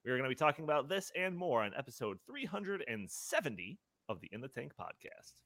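A man's voice: medium pitch, big pitch swings, quick pace. A man hosting a live podcast in an informal, joking, chatty way. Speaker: podcast host.

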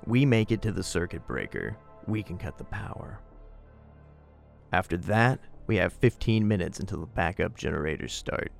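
An actor playing an anxious investigator in a murder mystery audio drama, talking in a conspiratorial, dramatic way over music. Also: male voice, deep voice, lively intonation, normal speed, vocal fry. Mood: determined.

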